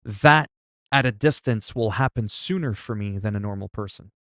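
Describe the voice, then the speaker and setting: Rambling and cursing casually, a forties-aged livestreamer explains things to his stream viewers using ordinary, everyday examples. He speaks at a normal pace in a lowish, slightly bright voice, captured in clean studio quality without echo.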